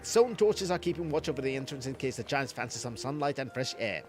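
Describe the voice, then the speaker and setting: A man voicing a blunt, gruff male mining foreman in a game, talking in a folksy, colloquial way. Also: mid-range voice, animated, fast talker, soft background music, lightly acted. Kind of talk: reading game dialogue aloud.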